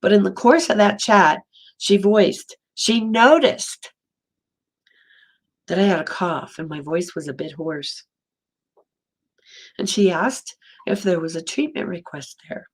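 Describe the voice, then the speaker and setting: Telling stories from the pulpit, a woman serving as interim minister preaches gently in a slightly hoarse, medium-pitched voice. When she wants to stress a point, she slows and softens until she's almost whispering.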